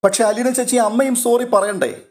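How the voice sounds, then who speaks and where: A man's voice: very high-pitched, fairly even intonation, moderate pace, pitched above the performer's own voice. A man reading a story aloud and voicing an upset, tearful teenage girl in a raised, pleading voice. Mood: sulky.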